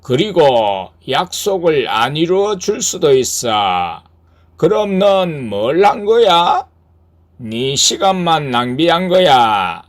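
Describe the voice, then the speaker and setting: A wheedling male devil slides through his lines, slow and sing-song, needling a listener to quit the hard road. His voice climbs and dips with a lively swing. A man puts him on while reading aloud. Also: a little high, pitched above the performer's own voice. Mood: coaxing. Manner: coaxing, needling. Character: sly tempting male devil.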